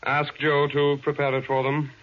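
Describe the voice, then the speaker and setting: An actor playing a smooth-talking, imperious, genteel male crime boss in a 1940s radio drama, deliberate and condescending. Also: fairly high pitch, monotone, a little hiss or hum, close to an everyday voice. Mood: condescending, suave. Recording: dull vintage 1940s radio recording.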